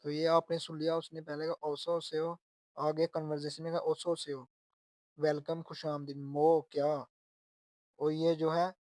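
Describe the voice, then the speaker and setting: A male language teacher explaining exam lessons step by step, slowly repeating each phrase and its meaning. His voice is fairly high for a man and stays flat in tone. The recording is dry and close. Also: no room sound. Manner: patient, repeats and explains word by word.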